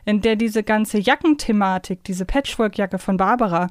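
A woman's voice: medium pitch, normal speed, no room sound, clean studio sound. A woman co-hosting a podcast in a casual, conversational discussion. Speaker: podcast co-host.

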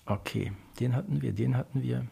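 A man's voice: mid-range voice, fairly quick, creaky, mellow, breathy edge. A man co-hosting a podcast in casual quiz chat, thinking aloud in short phrases. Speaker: podcast co-host. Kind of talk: casual quiz chat about audio dramas.

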